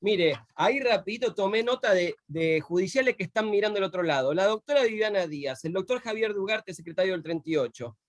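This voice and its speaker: High-voiced male host. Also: expressive, brisk, hardly any pauses, dry recording. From Argentina. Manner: courteous, chatty, reads off names. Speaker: interview host. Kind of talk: live online interview.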